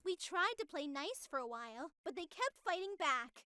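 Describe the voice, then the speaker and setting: A woman's voice: extremely high pitch, big pitch swings, moderate pace, pushed and bright, dry recording, clean studio sound, exaggerated voice. A woman playing a cheerful but tyrannical, self-righteous artificial being, narrating a scripted visual novel. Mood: breezy, smug.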